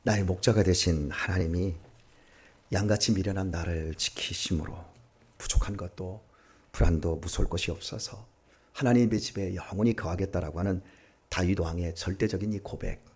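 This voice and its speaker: Husky-voiced pastor reading a psalm. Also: male voice, normal speed. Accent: Gyeongsang Korean, put on for a reading. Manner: lively, raises pitch and volume when reading dialect. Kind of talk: sermon, reading a psalm in regional dialects. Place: church sanctuary.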